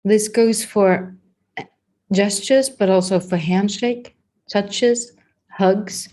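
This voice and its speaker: A woman with a Danish accent teaching body language in a chatty, unhurried workshop talk, with many fillers and restarts. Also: medium pitch, steady tone, dark tone. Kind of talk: live-streamed workshop talk.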